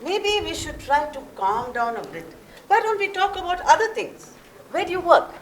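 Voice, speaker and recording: Woman doing prickly office lady in a stage comedy, high voice, exasperated and emphatic. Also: sing-song, normal speed. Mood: placating, brisk. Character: prickly jilted office worker woman trying to keep order. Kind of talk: staged reading of a comic play. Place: live stage at a literature festival.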